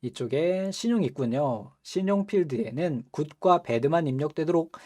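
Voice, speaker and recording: A young man teaching a computer course over his screen, his voice mellow and warm with lots of rise and fall. He chats with his students, laughs easily and keeps tossing them quick questions. Keyboard typing clicks along behind him. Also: on the high side, animated. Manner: chatty, asks students rhetorical questions, laughs often. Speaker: computer skills instructor. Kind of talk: screen-recorded software tutorial.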